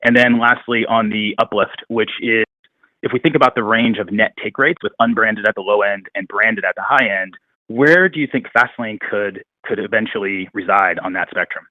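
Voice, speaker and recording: A man's voice: on the low side, moderate pace, dry recording. A man working as a financial analyst, putting a question on an earnings call. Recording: slightly dull phone line.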